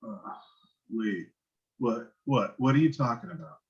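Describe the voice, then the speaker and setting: A man's voice: mid-range voice, lively intonation, measured pace, natural voice. A man playing a casual, dismissive teenage boy from a garage band in a script table read. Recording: dull, lo-fi online call audio.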